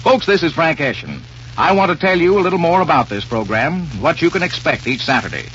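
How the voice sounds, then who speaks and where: A man announcing and reading sponsor lines on an old radio broadcast in a smooth, formal delivery. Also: fairly high pitch, big pitch swings, fairly quick, fairly bright tone. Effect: old radio broadcast sound. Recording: muffled old radio recording with faint hiss.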